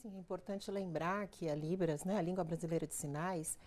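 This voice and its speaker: Mellow-voiced Brazilian woman legal expert. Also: fairly low pitch, fairly even intonation, a little fast. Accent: Brazilian Portuguese. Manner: formal, explanatory, with frequent "né". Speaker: legal specialist guest. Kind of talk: expert explanation on a talk show.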